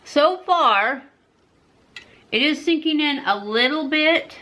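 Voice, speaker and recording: A woman's voice: high-pitched, lively intonation, slow pace, pushed and bright. A woman in her fifties giving a casual, chatty makeup review to camera. She rambles a little and corrects herself as she goes. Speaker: beauty vlogger.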